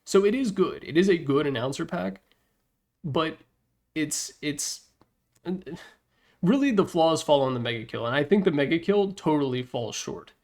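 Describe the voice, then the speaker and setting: A man with a slightly high voice presents his rankings in an informal, opinionated way. He talks casually, drops in mild swearing and adds wry asides as he goes. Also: animated, normal speed, a little mellow. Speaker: presenter of a tier list slideshow video.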